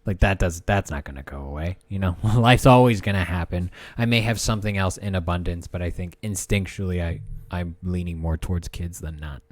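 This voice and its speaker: A man's voice: low-pitched, a little fast, hardly any pauses, dry recording. Laughing, crude-joking podcast man. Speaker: podcast co-host. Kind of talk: casual banter over drinks.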